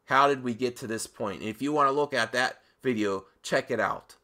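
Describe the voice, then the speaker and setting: A man delivering an opinionated video commentary in an emphatic manner, leaning on dramatic pauses and repeated phrases. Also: medium pitch, sharp tone. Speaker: host of a movie commentary channel.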